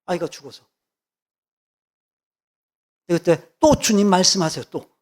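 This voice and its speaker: A man's voice: high voice, unhurried, darkish tone. A male pastor preaching a sermon, emphatic, repeating key words and asking rhetorical questions.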